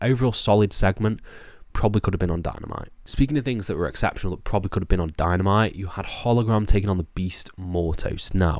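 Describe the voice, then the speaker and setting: A man talks at a very fast pace, his fairly low pitch showing ordinary variation. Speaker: wrestling reviewer. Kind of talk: casual talk to camera.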